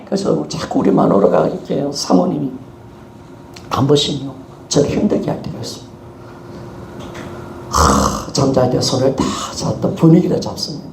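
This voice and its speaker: A man's voice: mid-range voice, wildly swooping pitch, moderate pace, vocal fry, pauses often. A male pastor with a Gyeongsang Korean accent preaching a sermon, emphatic and calling out to the congregation for a response. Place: church sanctuary. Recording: echoey church hall with background noise.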